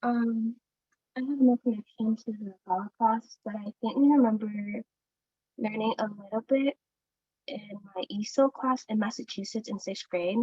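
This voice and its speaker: A teenage girl, a student on a panel, answering haltingly as she searches for her words. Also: on the high side, dark tone, husky, dry recording, dull audio. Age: teens.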